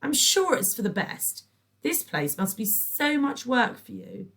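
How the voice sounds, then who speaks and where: A woman's voice: a little high, big pitch swings, unhurried, vocal fry, fairly bright tone, voice pushed up, heavily acted. A woman voicing a sickly sweet, scheming middle-aged neighbour in a storybook, trilling and gushing with pet names. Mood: gloating. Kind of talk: storybook reading.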